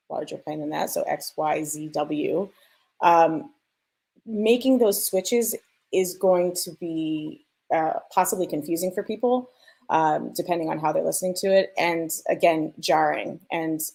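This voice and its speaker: A woman with a fairly low, gravelly-edged voice talks as a guest sound designer. She explains technical work conversationally, as if to colleagues on a panel, and sketches examples as she goes. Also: mellow.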